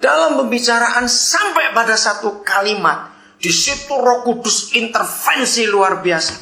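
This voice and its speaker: A man preaching a sermon, telling a personal story with animated delivery and speaking directly to the congregation. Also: extremely high pitch, a little slow, gravelly. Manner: animated storytelling, addresses listeners as "saudara". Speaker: pastor. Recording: echoey hall.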